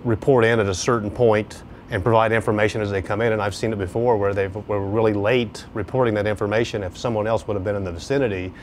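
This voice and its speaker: A man's voice: lowish voice, steady tone, fast talker. A man giving unscripted interview answers as an air traffic controller. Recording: faint background noise.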